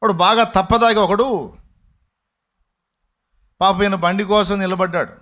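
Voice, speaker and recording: A man preaching a sermon as pastor, telling a story and acting out its voices with sudden loud and hushed turns. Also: high voice, steady tone, unhurried.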